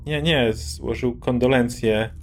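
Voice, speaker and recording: A man voicing a grieving, wary middle-aged mayor who talks softly and hesitantly. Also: mid-range voice, takes it slowly, a little hiss or hum. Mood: subdued.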